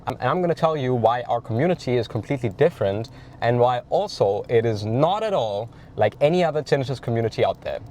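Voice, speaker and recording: A man's voice: medium pitch, lively intonation, fast. A man, talking casually in a car, his voice nasal from a cold, with many ums and uhs. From Germany. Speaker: tinnitus coach. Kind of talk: casual vlog while driving. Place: in a car while driving. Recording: faint car noise behind.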